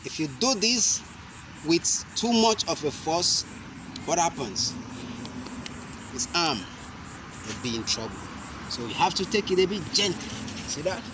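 Young man, self-defense instructor, slightly high voice, slow careful explanations, sharp strike cries, outdoor camera recording. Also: big pitch swings. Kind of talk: demonstrating self-defense moves. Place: outdoor concrete court. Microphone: camera mic at a distance. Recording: outdoor noise from a camera mic.

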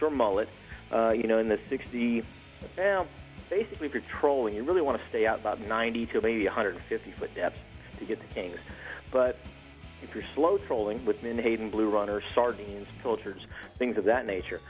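Easygoing fishing captain giving a report. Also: male voice, medium pitch, muffled recording. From Florida. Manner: relaxed, explanatory, with fillers.

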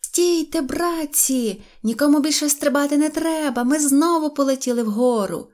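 A woman voicing a boastful, hot-headed little boy in an audio fairy tale, shrill and excitable. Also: a little fast, natural voice. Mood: excited.

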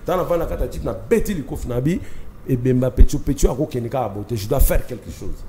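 A man's voice: medium pitch, fast talker, mellow, reverberant, slight background noise. A Congolese man in his thirties, a studio guest speaking as an opinion leader, talking with emphatic force and switching between French and Lingala. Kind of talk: impassioned studio talk show discussion.

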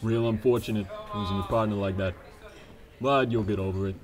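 A gruff older crime boss, played by a man in a radio play, calm and commanding. His voice sits low and he brushes off worries with easy authority. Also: fairly quick, natural voice. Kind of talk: amateur radio drama.

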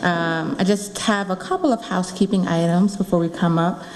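A woman's voice: fairly low pitch, steady tone, normal speed. A woman in her forties giving housekeeping announcements to an audience at a town hall meeting from a podium microphone. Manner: friendly, coaxing the audience. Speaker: school district community engagement officer. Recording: long reverb of a meeting room.

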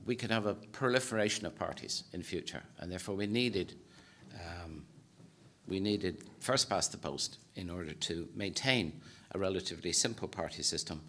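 A low-voiced Irish man in his sixties lectures from a podium in a conference hall. He speaks in a measured, hesitant way, full of "uh" and restarts as he works through his points. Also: a bit bright. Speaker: political science professor giving a presentation. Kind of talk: formal lecture talk. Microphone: podium microphone.

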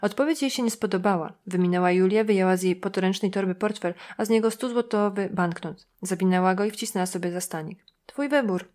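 A woman narrating an audiobook in an even, measured reading. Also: mid-range voice. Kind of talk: scripted narration.

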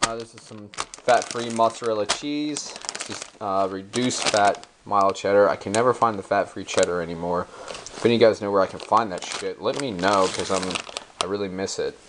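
Slangy young man with a very low voice. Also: moderate pace, noisy background. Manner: laid-back, slangy and profane, many ums and uhs. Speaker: bodybuilder vlogger. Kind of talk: casual grocery haul show-and-tell. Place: home kitchen, indoors. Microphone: handheld camera held close. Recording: crinkling bags and clicks close by.

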